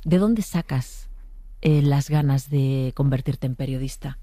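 A woman's voice: extremely low pitch, unhurried, mellow, no room sound. A woman hosting a radio interview, asking questions and giving short affirmations.

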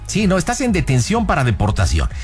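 A man's voice: on the high side, huge pitch swings, a little fast, breathy edge, soft background music. A man hosting a radio prank show, teasing and playful. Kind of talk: casual radio chat.

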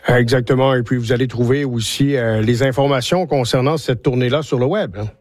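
Male radio host, mid-pitched, affirming, dry studio sound. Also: brisk, a little mellow, dry recording. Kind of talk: radio interview.

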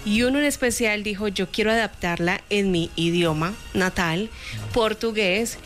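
Female co-host, affectionate, chatty, average pitch, soft music bed underneath. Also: normal speed. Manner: chatty, affectionate, laughs easily. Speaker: radio co-host. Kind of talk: live radio chat.

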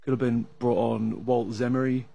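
A man with an English accent, an analyst calmly breaking down soccer tactics with some hesitation fillers. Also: mid-range voice, vocal fry. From England. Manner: measured, analytical, with frequent uh fillers. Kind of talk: sports talk discussion.

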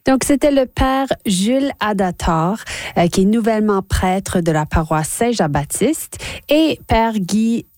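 A woman's voice: mid-range voice, animated, a little slow, darkish tone, no echo. Woman announcing on the radio, dry studio. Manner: crisp announcing. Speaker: radio host. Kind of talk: scripted radio presentation.

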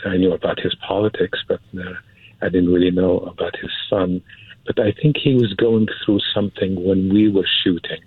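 A man from Syria, calling in to a radio show. He speaks nervously and haltingly, repeating words and restarting his sentences. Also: sits low, little pitch movement, slightly rough, no echo. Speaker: caller. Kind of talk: call-in radio conversation. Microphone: telephone. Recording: tinny, muffled phone line.

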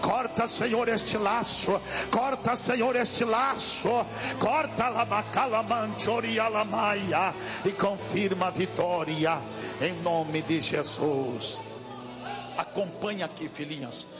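A pastor preaches and prays fervently, rebuking evil and repeating his phrases in a driving rhythm. His voice sits high for a man. The recording is dull and lo-fi, with a long reverb from a church hall. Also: steady tone, slow pace, over music. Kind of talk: sermon and deliverance prayer.

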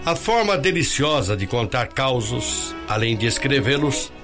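A man reading scripted documentary narration for a TV news tribute in a measured, formal way. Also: mid-range voice, lively intonation, over music.

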